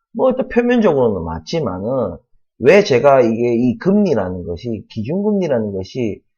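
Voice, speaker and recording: This man's voice has a dark, mellow tone and very wide pitch swings against a quiet background. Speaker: stock market YouTuber. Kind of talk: unscripted commentary. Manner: raised pitch, animated; rambling, hesitant fillers.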